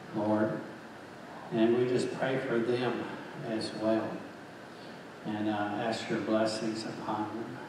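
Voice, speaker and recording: Through strong room echo and noticeable background noise, a man speaks very slowly in a monotone, flat intonation. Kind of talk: prayer. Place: church.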